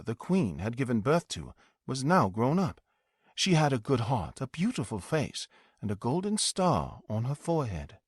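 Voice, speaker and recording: A man narrating a scripted fairy tale in an expressive, dramatic storytelling manner. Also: medium pitch, breathy edge, no echo, clean studio sound. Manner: expressive, dramatic reading with acted dialogue.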